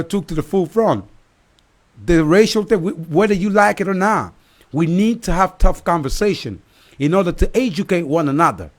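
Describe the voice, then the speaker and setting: A man hosting a live online talk show who rambles, restarts and fills with "uh". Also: on the high side. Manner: rambling with many fillers and restarts.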